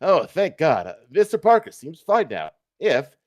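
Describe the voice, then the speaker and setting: Man putting on a flustered, high-pitched news reporter. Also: wildly swooping pitch, a little slow, darkish tone. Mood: nervous relief. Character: flustered male TV news reporter, anxious live commentator.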